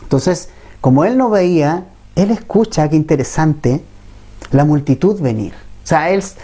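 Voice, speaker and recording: Chilean pastor guy preaching a bible sermon, warm low-key tone, keeps asking the church questions. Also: animated, a little slow, slightly rough. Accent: Chilean Spanish. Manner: conversational, with frequent rhetorical questions to the congregation.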